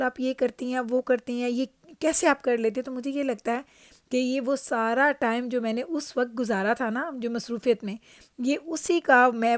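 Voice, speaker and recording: A woman's voice: a little high, no echo, studio quality. A middle-aged woman with a Pakistani accent gives a chatty, reflective vlog voice-over, mixing in English phrases. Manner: conversational, mixes in English phrases. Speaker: family lifestyle vlogger.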